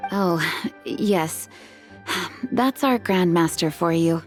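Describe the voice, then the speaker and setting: Slow-spoken, composed knight leader. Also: female voice, fairly low pitch, faint music behind. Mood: gracious. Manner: gracious, formal. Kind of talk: video game voice acting.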